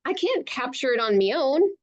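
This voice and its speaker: A woman voicing a gruff, stubborn young boy pirate for a children's storybook, growling and exclaiming in a stage pirate accent, on a dull lo-fi recording. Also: high voice, big pitch swings, normal speed. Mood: plotting, scheming. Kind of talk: children's storybook read-aloud.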